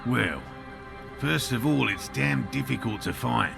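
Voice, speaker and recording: An actor voicing a patient, diligent middle-aged cryptozoologist in a video game, dry and a little sarcastic. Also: male voice, mid-range voice, animated, unhurried, vocal fry, music in the background.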